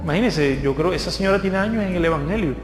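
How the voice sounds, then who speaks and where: A male guest preacher, delivering a lively sermon and acting out the voices of people in his stories. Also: high voice, fast talker, soft background music. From Colombia. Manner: lively storytelling, acts out voices of others. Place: church hall. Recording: echoey church hall with long reverb.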